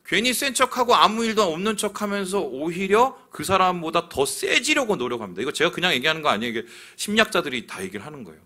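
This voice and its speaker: A man's voice: sits high, fast, hardly any pauses. A male pastor preaching a sermon in a church, asking his listeners questions as he goes. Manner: animated, asks the congregation questions. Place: church sanctuary.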